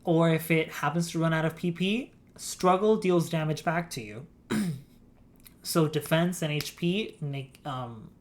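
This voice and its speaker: A woman's voice: deep voice, measured pace. A woman streaming a game, explaining game mechanics in a rambling, giggly way. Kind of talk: casual gameplay stream chat.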